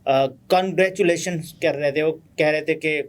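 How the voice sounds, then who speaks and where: Pakistani urdu guy, highish voice, chatty news commentary, lots of "uh" pauses. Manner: conversational, many pauses and fillers.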